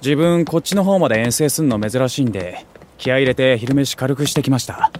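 A man's voice: mid-range voice, fairly quick, a little mellow, a little hiss or hum, lightly acted. A man playing an eager, geeky young junior in a voice drama, talking in gamer slang with casual politeness. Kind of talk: Japanese voice drama acting.

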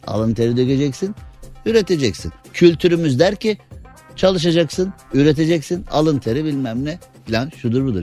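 A man's voice: medium pitch, a little mellow. A male radio host in casual studio talk, chatty and opinionated, full of rhetorical questions.

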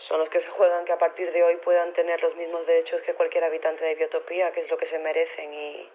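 A woman's voice: sits low, monotone. An actress playing an earnest, hesitant woman reporting by phone in an audio drama, with a Castilian Spanish accent. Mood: downcast, hesitant. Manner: halting, earnest, unsure. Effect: phone line. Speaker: correspondent at a vote, by phone. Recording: tinny narrow phone line.

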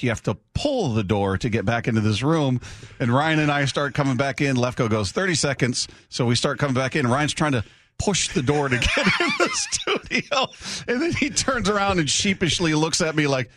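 A man hosts sports radio with a lively, up-and-down voice and a chatty, storytelling manner. The studio sound is close and dry. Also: medium pitch, moderate pace, no room sound. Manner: chatty, laughs often, storytelling. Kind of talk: casual radio chat. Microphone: studio microphone.

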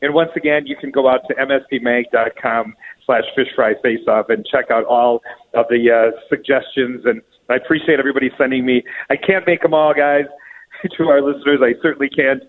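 A man with a mid-range voice talks a little fast with fairly even intonation, chatting casually on air as a radio show regular. He's phoning in from an echoey public restroom in a restaurant, and the noisy phone line adds to the bathroom echo.

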